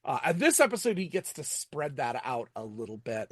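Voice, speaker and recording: A man hosting a casual podcast recap, talking in a halting way and often repeating words as he goes. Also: medium pitch, very animated, a bit bright, husky, no room sound, clean studio sound. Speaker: podcast host reviewing TV episodes. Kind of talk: casual episode recap and commentary.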